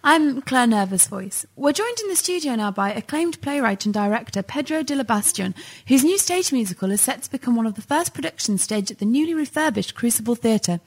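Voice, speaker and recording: A woman playing a local radio talk show host who interviews a guest with brisk, pushing questions in a comedy sketch. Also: a little high, lively intonation.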